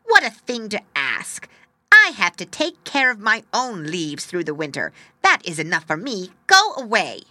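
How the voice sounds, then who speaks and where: Proud, unkind storybook trees, as a woman reader puts them on, speaking loudly and with scorn. The voice sounds rather distant and it swings widely in pitch. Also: wildly swooping pitch, measured pace, dry recording, heavily acted. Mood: scornful. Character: haughty unkind trees refusing a bird.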